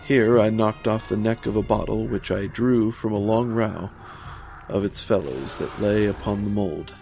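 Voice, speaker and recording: A man reading scripted gothic horror narration in a dramatic, measured manner. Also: lowish voice, steady tone, vocal fry, darkish tone. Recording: music behind the voice.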